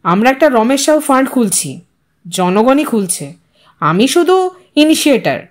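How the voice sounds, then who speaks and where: A woman's voice: high-pitched, very animated, measured pace. A woman voicing a self-important, easily slighted male local organizer with an assertive manner in an audio story. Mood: self-promoting. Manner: assertive, interrupting.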